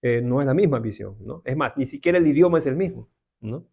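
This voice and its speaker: A man's voice: mid-range voice, lively intonation, fairly quick, vocal fry, a little mellow, husky. A man with a Peruvian accent teaching an informal Bible class, talking conversationally with many tag questions to his listeners. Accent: Peruvian Spanish. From Peru.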